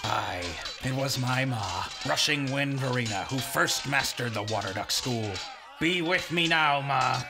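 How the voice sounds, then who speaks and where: An old wandering river hero for an audio drama, with a creaky, gravelly voice. He is boastful and honour-bound, declaiming in folksy, old-fashioned heroic language over clear music. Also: mid-range voice, lively intonation, a little slow. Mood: resolute. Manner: blustering, archaic, folksy heroic speech. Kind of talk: audio drama acting and first-person storytelling.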